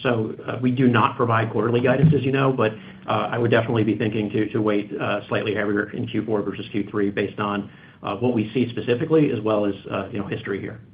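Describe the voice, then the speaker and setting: A man's voice: fairly low pitch, fairly even intonation, fast. A man answering questions off the cuff as a company executive on a conference call. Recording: slightly dull conference call line.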